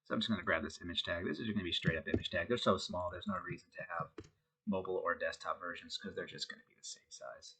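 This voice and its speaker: A man with a congested voice from a head cold, talking through a web coding tutorial in a relaxed way with many fillers. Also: deep voice, quick pace, breathy edge. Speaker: web design instructor. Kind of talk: screen-recorded coding tutorial.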